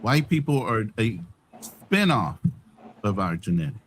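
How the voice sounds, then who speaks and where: A man's voice: on the low side, sing-song, measured pace, a little hiss or hum. A man co-hosting a casual talk show, speaking in an emphatic, preachy way.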